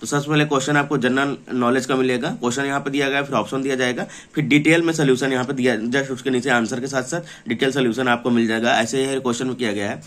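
A man with a mid-pitched voice presents a book in an informal walkthrough. He explains step by step, repeating phrases and listing items as he goes. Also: steady tone, fast, hardly any pauses, a bit bright. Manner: repetitive, explanatory, reading out lists. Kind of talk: informal product walkthrough of an exam prep book.

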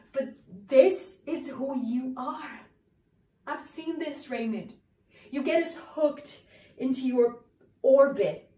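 Actress as hurt young woman, searching soliloquy, roomy. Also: on the high side. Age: young adult. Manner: searching, halting soliloquy with pauses and swings from quiet to forceful. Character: hurt, lovesick woman confronting her unfaithful lover. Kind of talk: dramatic monologue acting. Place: indoor room before a plain backdrop. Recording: roomy echo, distant microphone.

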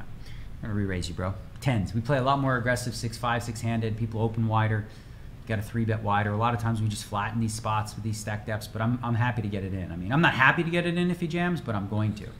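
A man's voice: on the low side, slight background noise. A man in his forties chatting energetically and rambling while streaming a game from his home room. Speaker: poker streamer. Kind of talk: casual livestream chat.

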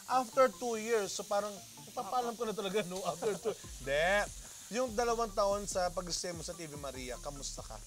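A man's voice: high-pitched, animated, normal speed, fairly bright tone. A man, a priest hosting a cooking show, chatting in a friendly, teasing way and asking the guest questions. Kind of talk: casual chat while cooking. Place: studio kitchen.

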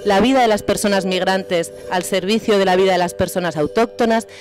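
A woman delivers a measured, rhetorical statement from a panel, stacking phrase upon phrase. Her pitch is middling. Faint music runs underneath. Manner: measured, rhetorical, builds lists. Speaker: feminist economist, tribunal expert. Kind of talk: formal statement. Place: conference hall panel. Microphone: table mic.

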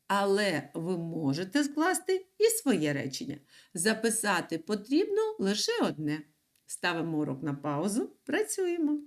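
Повільна, жвава вчителька молодших класів. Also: female voice, medium pitch. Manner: slow, patient, lively sing-song explaining. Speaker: primary school teacher. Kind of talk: online reading and writing lesson for young children.

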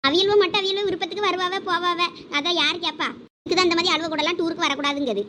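Sharp-tongued village woman, acted by a woman, very high and fast, light hiss behind. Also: fairly even intonation. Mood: complaining.

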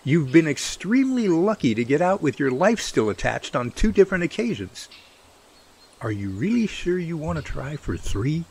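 A man's voice: on the high side, sing-song, moderate pace, darkish tone, slightly rough, exaggerated voice. A man playing an earnest, protective brotherly figure in a radio drama, pleading in a folksy way. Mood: urgent pleading.

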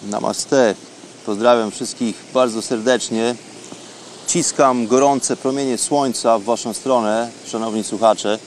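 A man with a mid-range voice delivers an unscripted diary-style monologue as a programme host. He phrases things haltingly and reflectively. Faint ambient noise sits behind the voice. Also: mid-range voice, steady tone.

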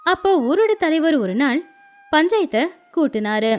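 A woman storyteller giving an expressive scripted narration of a bedtime moral story. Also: high-pitched, normal speed, soft background music.

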